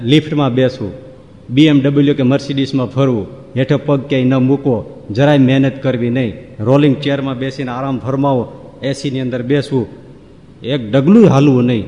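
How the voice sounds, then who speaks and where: A man's voice: medium pitch, a little mellow. A man giving a devotional discourse in a folksy manner, listing examples in rhythmic runs that rise into exclamations. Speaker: preacher. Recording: long hall reverb.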